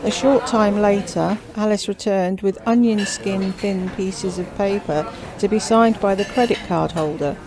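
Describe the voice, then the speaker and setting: A woman narrator reads a story aloud with a measured, expressive delivery at a middling pitch. A crowd chatters in the background. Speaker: audiobook narrator.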